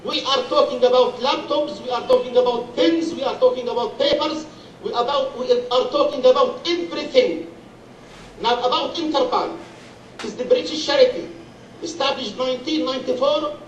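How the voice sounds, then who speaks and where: A man's voice: very high-pitched, moderate pace, lo-fi sound, slight background noise. A man from Gaza with a Palestinian Arabic accent, giving an earnest public speech and listing his points by number. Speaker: charity speaker. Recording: echoey hall, distant mic.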